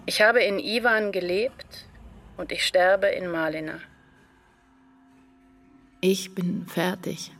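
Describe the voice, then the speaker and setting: An actress playing an anguished woman writer narrating her despair in a deliberate, intense literary radio drama monologue. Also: fairly low pitch, a bit bright. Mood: desperate, resolute. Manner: deliberate, intense, incantatory short phrases.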